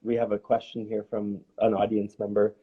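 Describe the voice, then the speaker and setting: A man's voice: on the low side, monotone, moderate pace, slightly rough. A man hosting a conversational live question-and-answer interview, encouraging and often rephrasing his questions. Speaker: host interviewer. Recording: dull lo-fi, faint noise.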